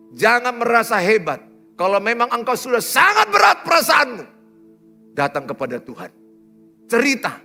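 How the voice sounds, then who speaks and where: A man, preaching a sermon as pastor, swinging from loud exhortation to hushed, near-whispered lines. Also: sits high. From Indonesia. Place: church auditorium.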